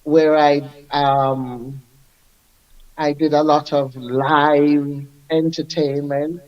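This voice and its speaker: An older man, a music artist recalling his career in an unhurried, reflective way as a radio guest. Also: a little high, level tone, highs cut off. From Jamaica. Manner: unhurried, reflective, laughs often. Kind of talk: radio interview.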